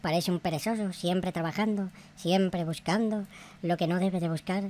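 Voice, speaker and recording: A man's voice: sits high, fairly even intonation, normal speed, darkish tone, lightly acted. A man voicing a childish, cheeky noob son in a rambling Minecraft roleplay, repeating himself and exclaiming. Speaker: YouTube gamer playing a character.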